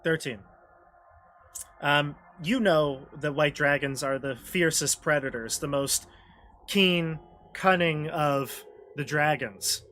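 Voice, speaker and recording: Higher-pitched man narrating a tabletop game. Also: slow, pushed and bright, a little hiss or hum. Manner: hesitant, searching for words. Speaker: game master.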